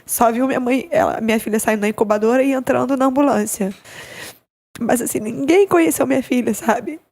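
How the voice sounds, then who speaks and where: A young adult woman, giving an emotional personal account as a podcast guest, halting and repeating her words. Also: a little high, a little mellow. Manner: halting, with many repeated words and tag questions.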